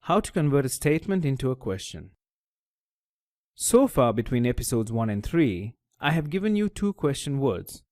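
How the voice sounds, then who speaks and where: A man narrating a scripted language tutorial, explaining each step clearly and methodically. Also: mid-range voice, big pitch swings, moderate pace, darkish tone, no room sound, studio quality. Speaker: language teacher.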